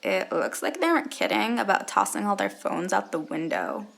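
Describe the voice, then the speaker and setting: Woman playing sardonic fairy-tale heroine, young, creaky voice, deadpan yet swooping pitch, audio comedy. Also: moderate pace, full character voice. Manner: deadpan, casual.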